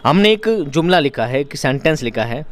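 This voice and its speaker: A man's voice: medium pitch, lively intonation, normal speed. Man teaching, explaining with repetition. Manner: explains by repeating and rephrasing, asks rhetorical questions. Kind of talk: exam-prep lesson.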